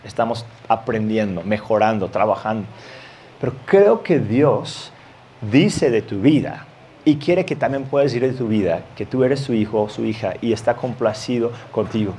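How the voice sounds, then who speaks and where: Un hombre que predica un sermón en tono conversacional, leyendo pasajes bíblicos y riendo un poco de vez en cuando. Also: male voice, mid-range voice, animated, moderate pace, dark tone, slight background noise. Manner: conversational, reads scripture aloud with light laughs. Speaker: pastor. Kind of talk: sermon.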